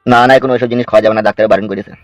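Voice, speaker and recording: A man's voice: on the low side, steady tone, very fast, dry recording, close to an everyday voice. A man voicing an older wounded father in a cartoon, pleading with his son and repeating warnings. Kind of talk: cartoon voice acting.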